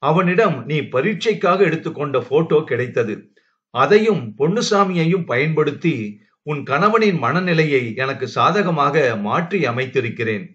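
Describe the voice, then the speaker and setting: A cold male blackmailer coaxes and threatens in a slightly high voice, voiced by a man narrating. The audio sounds muffled and lo-fi. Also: expressive, normal speed, fairly bright tone. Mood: menacing. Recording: dull lo-fi recording.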